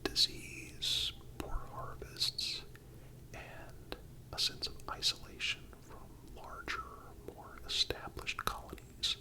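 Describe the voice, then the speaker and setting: In a breathy ASMR whisper punctuated by many pauses, a narrator calmly and deliberately delivers scripted history. The recording is of poor quality.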